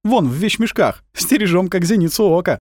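Мужчина-чтец озвучивает болтливого молодого красноармейца, который ворчит и жалуется. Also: male voice, high-pitched, lively intonation, brisk, darkish tone, no echo, clean studio sound, pitched above the performer's own voice. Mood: eager. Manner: complaining, chatty. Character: talkative young Red Army soldier, grumbling.

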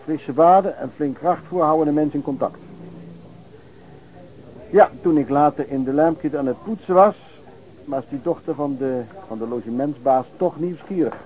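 Actor as a wary, high-voiced travelling peddler. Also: male voice, normal speed, close to an everyday voice. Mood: reflective. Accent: Netherlands Dutch. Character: wary, self-reliant travelling copperware peddler, grumbling storyteller. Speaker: actor and narrator in a radio play. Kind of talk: radio drama, first-person narration and dialogue. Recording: dull lo-fi old radio recording.

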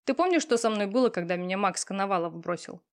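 A woman voicing a pushy, talkative young female friend who teases and lectures loudly. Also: mid-range voice, lively intonation, quick pace, lightly acted. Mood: bossy. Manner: loud, teasing, talkative.

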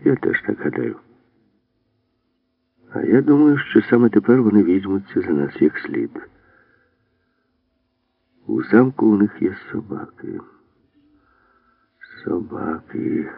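A man's voice: deep voice, expressive, measured pace, vocal fry, long pauses, dry recording, voice pushed up, full character voice. A man reading an audiobook, voicing a nervous, wisecracking male commando who grumbles about dogs. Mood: wry worried. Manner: grumbling, joking complaints. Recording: dry, phone-like narrow band.

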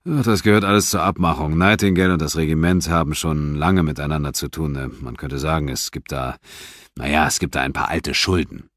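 A man doing a calm, firm army sergeant. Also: extremely low pitch, fairly quick, no echo, studio quality. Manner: calm, friendly but firm. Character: friendly, matter-of-fact male army sergeant.

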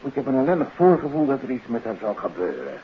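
A man's voice: mid-range voice, sing-song, fast, close to an everyday voice. An actor playing a worried, polite middle-aged doctor and father in a 1950s radio drama, speaking hesitantly and apologetically. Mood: anxious, distressed. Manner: hesitant, apologetic, often tagging sentences with questioning particles. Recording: noisy, muffled old radio recording.

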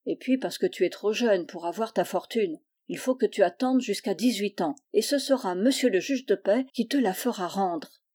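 A woman's voice: medium pitch, normal speed, dark tone, lightly acted. A woman voicing a firm, loving older sister in a storybook reading. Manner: firm and tender.

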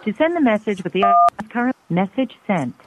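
A woman's recorded voice giving automated phone system prompts in a polite, measured way. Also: mid-range voice, sing-song, narrow, tinny audio, background noise. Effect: automated phone system message.

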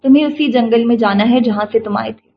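A woman voicing a calm, scheming older man, a king who speaks gently and with regret, in a storybook reading. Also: a little high, dull audio, a little hiss or hum, close to an everyday voice.

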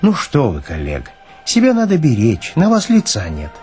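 An actor playing a kindly male morgue director with a hushed, courteous, sympathetic manner in an audio drama. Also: mid-range voice, wildly swooping pitch, normal speed, faint music behind. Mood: soothing.

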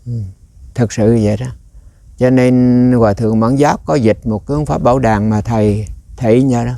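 Gravelly-voiced monk, warm and dry. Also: male voice, mid-range voice, normal speed, dry recording. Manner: rambling, conversational, quizzes listeners. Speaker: Buddhist monk teacher. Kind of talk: dharma talk.

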